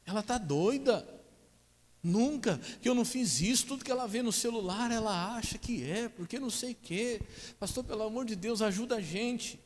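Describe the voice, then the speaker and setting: Preacher putting on a frantic denying husband, raised pitch, echoey. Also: male voice, normal speed, lightly acted. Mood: pleading. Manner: high, pleading and defensive. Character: desperate husband denying everything. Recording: echoey church hall.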